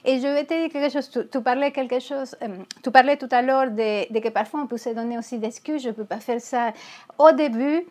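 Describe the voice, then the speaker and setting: A woman's voice: sits high, a little fast, a little mellow. A woman from Venezuela with a Venezuelan Spanish accent, a therapist speaking earnestly in an interview, often restarting her words. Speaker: therapist and guest. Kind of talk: candid interview talk.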